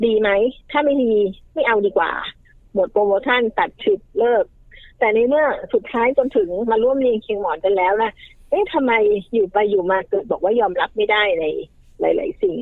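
A woman guest giving family advice in casual talk, animated, acting out quoted lines as she explains. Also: on the high side, brisk, no echo. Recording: tinny phone-like line, dry.

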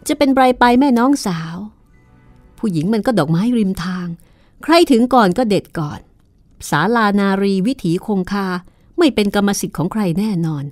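A woman's voice: medium pitch, lively intonation, moderate pace, darkish tone, no room sound, faint music behind, lightly acted. Woman reading a smug leering villain. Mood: leering, taunting. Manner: taunting, leering. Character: smug lecherous young man, villain.

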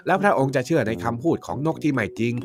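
A man voicing a scheming royal minister in a children's story, slow and fawning, raised in pitch. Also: expressive, natural voice. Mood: mocking. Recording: music bed behind.

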